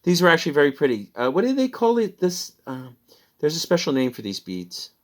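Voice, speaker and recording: A man's voice: on the high side, sing-song, brisk. Rambling chatty Midwestern man. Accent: Midwestern American. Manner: rambling, chatty, laughs at himself. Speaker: online reseller. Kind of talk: casual sales recap chat.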